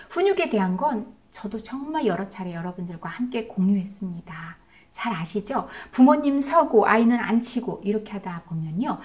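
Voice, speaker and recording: A woman's voice: mid-range voice, a little mellow. Korean woman giving parenting advice. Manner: explanatory, acts out parent and child lines. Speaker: parenting educator.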